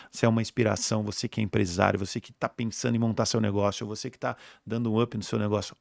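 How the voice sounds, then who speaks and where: A man's voice: on the low side, vocal fry, dry recording, studio quality. A Brazilian man hosting a podcast in an informal, slangy, conversational way. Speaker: podcast host. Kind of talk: casual chat.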